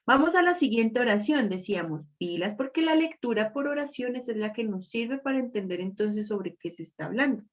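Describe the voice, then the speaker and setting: A woman's voice: fairly high pitch, expressive, a little fast, hardly any pauses. A woman teaching an online reading class, explaining step by step and checking understanding with little question tags. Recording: dull lo-fi audio.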